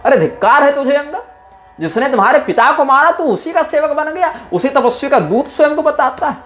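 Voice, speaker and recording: A man voicing an arrogant demon king who taunts and mocks in loud, scornful questions. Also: very high voice, expressive, fairly quick, voice pushed up. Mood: contemptuous.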